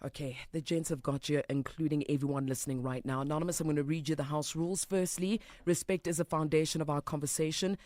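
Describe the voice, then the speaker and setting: A man hosting a radio advice show, reading out the house rules in a formal, steady way. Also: a little high, quick pace, few pauses, no room sound. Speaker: radio host.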